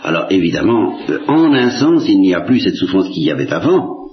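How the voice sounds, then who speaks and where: A man's voice: sits low, sing-song, brisk. A man giving a reflective religious talk, hesitating and repeating words while making emphatic appeals to his listeners. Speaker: spiritual lecturer answering questions. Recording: dull lo-fi archival recording in echoey room.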